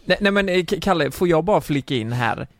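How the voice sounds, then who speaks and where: A man's voice: fairly high pitch, animated, no room sound. A young man co-hosting a casual podcast chat, cutting in eagerly and swearing. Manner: chatty, interjecting, swears. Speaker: podcast co-host.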